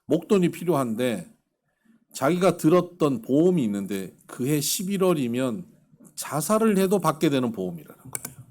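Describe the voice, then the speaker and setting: A middle-aged male pastor giving a sermon, telling a story quietly and then rising into fervent exhortation. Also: a little high.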